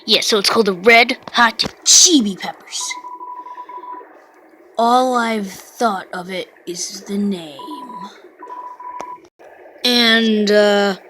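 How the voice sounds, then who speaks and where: Woman voicing an eager, dreamy monster, bright tone. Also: mid-range voice, slight background noise, poor audio. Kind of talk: amateur video game character dub.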